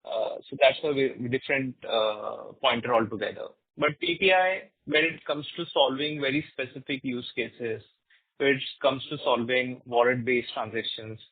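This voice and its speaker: A man answering questions as a company executive on an earnings call, explaining in a halting way. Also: medium pitch, slightly rough, no echo. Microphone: conference phone call. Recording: narrow tinny phone line.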